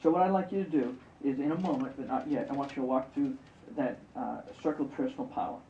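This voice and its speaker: A hypnotist guiding a volunteer through a live exercise, repeating encouraging instructions. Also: male voice, mid-range voice, fast, dark tone, a little hiss or hum. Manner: coaching, repetitive, encouraging. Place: event room. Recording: roomy, distant, muffled live event recording.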